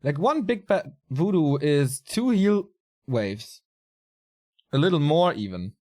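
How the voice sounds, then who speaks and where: A man commentating a strategy game alone, casual and chatty, his voice a little raspy and tired. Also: a little high, very animated, slow pace, a little mellow. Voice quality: casual, chatty delivery with fillers. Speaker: esports caster.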